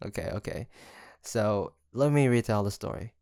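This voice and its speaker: Man acting as playful young roommate, slow and gravelly. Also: on the low side, darkish tone, dry recording, studio quality. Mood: playful, mock-grand. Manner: teasing, chuckling, mock-grandiose storyteller. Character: sweet young male roommate, playful teasing best friend. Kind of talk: intimate roleplay audio acting, conversational.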